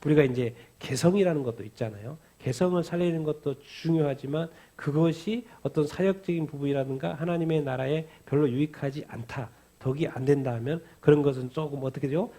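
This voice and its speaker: A male pastor delivering a sermon, lively and conversational, firing off rhetorical questions and acting out the disciples' anger. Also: fairly high pitch, slightly rough.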